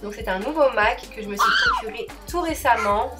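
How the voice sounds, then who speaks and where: A woman's voice: a little high, very animated, a little fast, shouting, over loud music. A young woman narrating her makeup tutorial as a chatty, enthusiastic voice-over. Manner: chatty, enthusiastic, addresses viewers as girls. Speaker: beauty vlogger.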